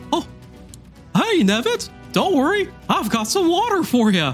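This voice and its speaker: Over clear background music, a put-on character voice swings very widely around a high pitch at a moderate pace. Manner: shouting, jovial.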